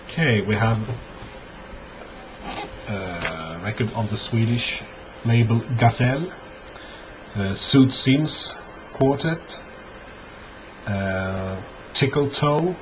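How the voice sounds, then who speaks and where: A man giving a casual, unscripted show-and-tell as a collector, halting often and thinking aloud. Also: lowish voice. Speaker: record collector presenting finds. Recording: dull lo-fi audio, clear background noise.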